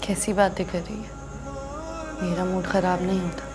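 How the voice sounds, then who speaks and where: Pious earnest friend, played by a woman, slightly low, under a loud score. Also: flat delivery, moderate pace, natural voice. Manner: earnest, preachy. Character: pious gentle young woman urging prayer. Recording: music under dialogue.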